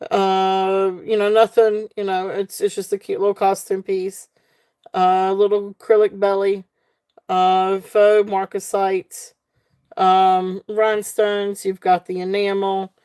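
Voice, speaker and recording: A middle-aged woman with a relaxed Southern drawl runs a live jewelry auction. She talks slowly and casually, filling pauses with ums and little laughs as she describes each piece. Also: mid-range voice, clean tone. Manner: chatty, folksy, with frequent ums and soft laughs. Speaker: live jewelry sale host. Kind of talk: casual live-stream selling.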